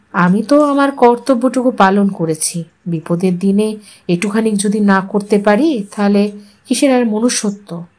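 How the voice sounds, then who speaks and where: A woman voicing an earnest, devoted man, a former sweetheart, speaking gently in an audio story. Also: mid-range voice, lightly acted, low-quality recording. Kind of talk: Bengali audio story character dialogue.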